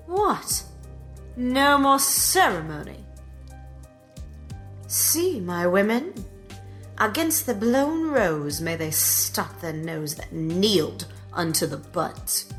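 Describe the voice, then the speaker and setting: A woman's voice: medium pitch, very animated, slow, long pauses, fairly bright tone. A woman playing a proud, wounded Egyptian queen in a Shakespearean audio drama, with a regal, dramatic delivery. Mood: offended, regal. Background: music.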